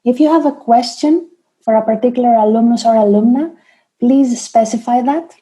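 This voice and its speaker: A woman with a Greek accent hosting an online panel webinar over a video call, speaking in a measured way with frequent fillers and restarts. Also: on the high side, mellow. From Greece. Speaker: webinar host, admissions manager.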